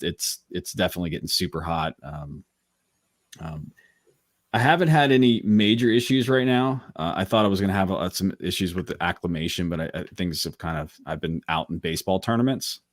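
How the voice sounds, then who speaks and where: A man's voice: sits low, steady tone, brisk, no echo, studio quality. A man in his forties chatting casually on a video call, rambling with many restarts. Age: 40s. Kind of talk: casual chat.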